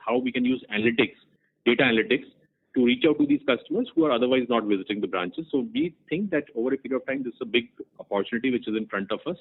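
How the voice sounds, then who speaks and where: A man's voice: mid-range voice, breathy edge. A man, a company executive, answering an analyst on an earnings call with many fillers and restarts. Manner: rambling with many fillers, checks he understood. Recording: phone-line audio.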